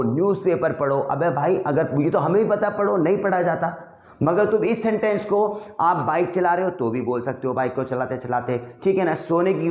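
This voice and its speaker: A man's voice: a little high, a little mellow. Chatty male English teacher, echoey room. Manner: drills practice sentences slowly and repeatedly; chatty, addresses viewers as brother and friend. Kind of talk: casual spoken-English lesson in Hindi.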